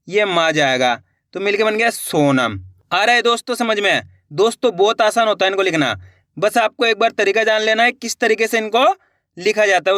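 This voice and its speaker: A man teaching how to read and write words, sounding out each syllable slowly, repeating every word and answering his own questions. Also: sits high, sharp tone, dry recording, clean studio sound. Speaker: Hindi reading teacher. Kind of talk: slow step-by-step lesson.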